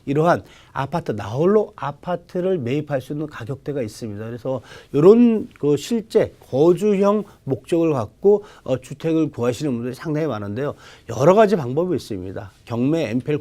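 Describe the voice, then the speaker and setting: A man speaking as a real estate expert on a TV advice show, explaining off the cuff in polite formal speech, halting and repeating his phrases. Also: mid-range voice, mellow. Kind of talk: unscripted expert consultation.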